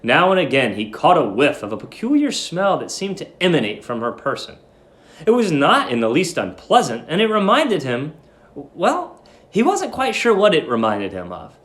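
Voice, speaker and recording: A man's voice: fairly high pitch, wildly swooping pitch, moderate pace, fairly bright tone. A man narrating in a dramatic storybook reading style. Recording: roomy echo.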